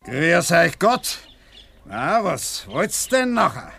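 A man's voice: fairly high pitch, sing-song, takes it slowly, creaky, a bit bright, breathy edge, full character voice. A man playing a rustic, grumbling farmer with a drawling Bavarian accent in a 1980s children's radio play. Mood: slow, doubtful. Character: slow rustic farmer, grumbling about city folk.

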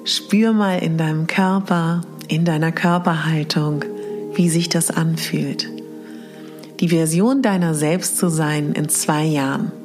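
Woman, sleep-story style guided meditation, very slow, lowish voice, soothing, breathy phrase endings, music behind. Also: steady tone. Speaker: podcast host and guided exercise leader. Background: clear background music.

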